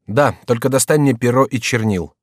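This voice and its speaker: A man voicing a rash young nobleman with a sardonic, brisk manner, in an audiobook reading. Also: mid-range voice, slightly rough, dry recording, studio quality, pitched above the performer's own voice, lightly acted. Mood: wry.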